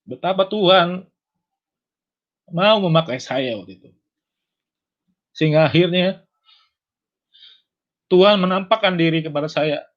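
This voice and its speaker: A man giving an earnest personal testimony, his voice climbing high and emotional as he relives a moment. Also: unhurried, pauses often, muffled recording.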